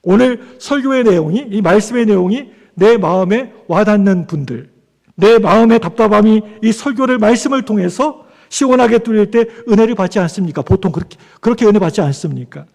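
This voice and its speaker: A man's voice: high voice, expressive, a little fast, vocal fry, a little mellow. A male pastor preaching a sermon in a conversational way, asking the congregation for amens. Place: church sanctuary. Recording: long church hall reverb.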